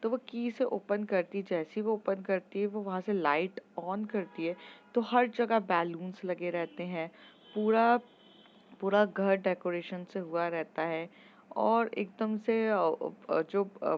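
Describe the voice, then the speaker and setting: A woman narrating a love story casually in a podcast, with an informal, halting delivery full of filler sounds. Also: medium pitch, muffled recording.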